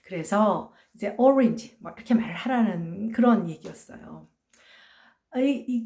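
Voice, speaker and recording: A woman teaching a phonology lecture. She explains patiently, asks questions and answers them herself, and says sounds slowly to show them. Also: medium pitch, dark tone. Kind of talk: recorded online lecture.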